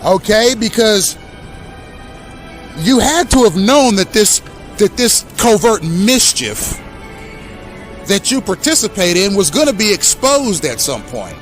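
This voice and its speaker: A man in his thirties, a native English speaker, hosting an impassioned direct-address monologue with accusatory, emphatic speech and slow deliberate stresses. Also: sits high, very animated, soft background music. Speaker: host.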